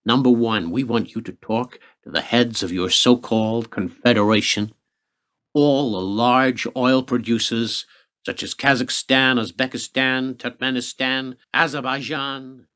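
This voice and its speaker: An actor playing a hawkish, calculating senior White House aide in a radio play, speaking with deliberate authority. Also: male voice, medium pitch, fairly even intonation, fairly bright tone, natural voice. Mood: stern, demanding.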